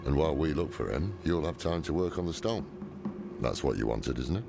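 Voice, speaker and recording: A stern old warrior of a game cutscene, speaks in a rock-bottom, heavily creaking rumble. The delivery is blunt and commanding, with loud music behind. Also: male voice, expressive, fairly quick, exaggerated voice. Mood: gruff. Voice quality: deep gravelly rumble. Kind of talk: dramatic video game cutscene acting.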